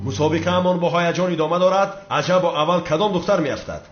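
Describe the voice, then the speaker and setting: A man playing an excited contest commentator. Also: fairly high pitch, lightly acted. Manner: hyped announcing. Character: excited male competition commentator. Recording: dull roomy dub with music.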